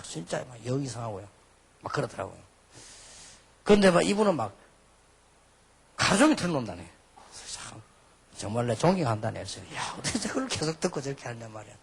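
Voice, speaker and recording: Husky, animated Busan-accented male preacher. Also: high voice, fast, long pauses. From Busan, South Korea. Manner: colloquial, emphatic, with rhetorical questions and throat clearing. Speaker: pastor preaching. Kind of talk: sermon with personal anecdotes.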